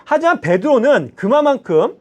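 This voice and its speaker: A male lay preacher delivers a sermon in a church, animated and constantly checking in with his listeners. His voice sits high and leaps widely in pitch. He keeps the congregation engaged with short questions. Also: moderate pace.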